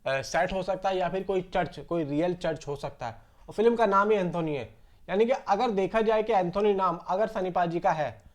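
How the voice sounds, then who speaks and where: A man with a distinctly high voice presents movie news. He talks in a conversational, rambling way, explaining things to viewers informally as an online host would. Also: a little mellow. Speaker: film news YouTuber.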